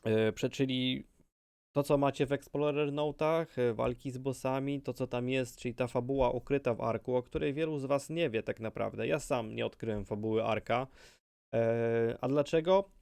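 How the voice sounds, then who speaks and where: A man's voice: mid-range voice, moderate pace, vocal fry, a little mellow, clean tone, no echo. A man making casual, off-the-cuff commentary as a gaming video creator.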